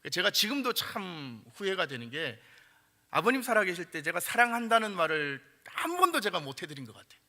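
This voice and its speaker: A middle-aged man preaching a sermon in a chatty style with many fillers, growing louder and higher when he stresses a point. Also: sing-song, a little fast, big-room sound. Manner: conversational, frequent fillers, rises in pitch and volume when emphasizing. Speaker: pastor.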